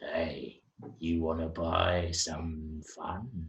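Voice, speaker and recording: A man puts on a character voice. It is raspy, with a very deep, low pitch. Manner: sly, furtive, selling.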